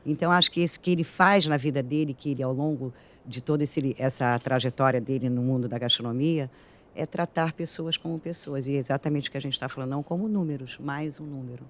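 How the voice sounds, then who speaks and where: A woman's voice: very deep voice, fast talker. A woman hosting a podcast in a radio studio, chatty and openly admiring her guest. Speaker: podcast host. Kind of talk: casual studio talk.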